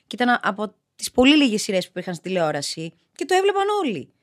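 A Greek actress chatting as a podcast guest, telling stories in a lively way and acting out what people said. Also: female voice, mid-range voice. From Greece. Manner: lively storyteller, acts out quotes. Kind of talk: casual podcast chat.

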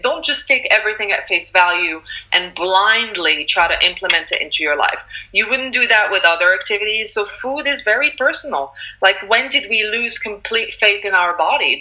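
A woman with a very bright, sharp voice talks earnestly as a guest in an interview. She is encouraging and lively, and her pitch often jumps up when she makes a point. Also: normal speed, hardly any pauses, poor audio. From Morocco. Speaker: author and guest. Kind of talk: casual conversational interview.

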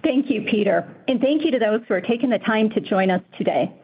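A woman reads through financial figures in a steady, formal manner, presenting a company's quarterly results. Her voice is mid-pitched and even. The audio is a little muffled and lacks crispness. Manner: measured, formal reading of figures. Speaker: finance executive on earnings call. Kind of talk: scripted financial report.

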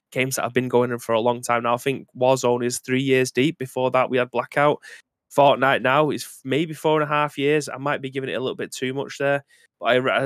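A man's voice: mid-range voice, a bit bright, no room sound, studio quality. A man co-hosting a video game podcast in casual chat, rambling and correcting himself as he thinks aloud. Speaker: podcast co-host.

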